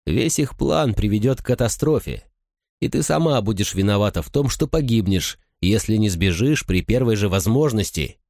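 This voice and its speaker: A man's voice: on the low side, animated, normal speed, a little mellow, no echo, clean studio sound. A man doing a scornful, distrustful thief.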